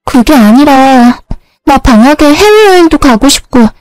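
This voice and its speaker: A woman voicing a young college-age sister who talks in a high, eager, slightly whiny way. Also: animated, a little slow, darkish tone, no echo, faint music behind, low-quality recording. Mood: pleading.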